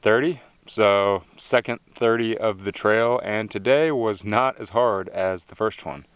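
A man in his thirties talks into a camera held at arm's length out in the open desert. His voice is deep and smooth, and his delivery is relaxed and upbeat. His sentences often trail off into low mutters. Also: measured pace, no echo. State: slightly winded from climbing. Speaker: thru-hiker vlogger. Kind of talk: casual trail vlog to camera. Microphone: handheld camera at arm's length.

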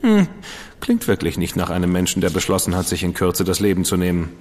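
An actor playing an ironic, theatrical dandy in a radio drama. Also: male voice, low voice, wildly swooping pitch, a little fast, darkish tone. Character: witty, theatrical male dandy, ironic and fastidious. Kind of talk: German radio drama acting. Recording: long reverb with music behind.

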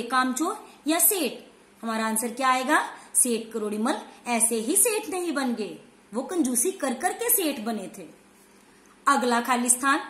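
A woman teacher with a high voice leads a class for small children. She goes slowly, spells words letter by letter, and answers her own questions. Her voice rings around an echoey room at home. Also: a bit bright. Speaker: school teacher. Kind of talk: online class lesson.

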